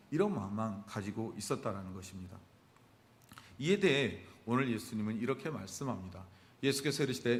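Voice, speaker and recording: A male pastor delivers a sermon with a lively pitch that rises and falls freely. He poses rhetorical questions to the congregation and answers them himself. His voice carries a long reverb from a church sanctuary.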